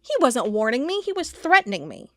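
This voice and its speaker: Agitated, higher-voiced woman investigator acted out. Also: very animated, brisk, dry recording, clean studio sound. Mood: agitated, angry. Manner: thinking aloud, emphatic, muttering to herself. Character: agitated, suspicious woman investigator, sharp-tongued and obsessive. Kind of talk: audio drama monologue.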